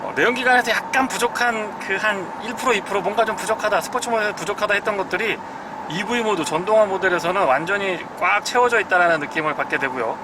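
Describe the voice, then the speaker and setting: A man's voice: sits high, fast talker, background noise. A man presenting a test-drive review as a car reviewer, explaining things politely.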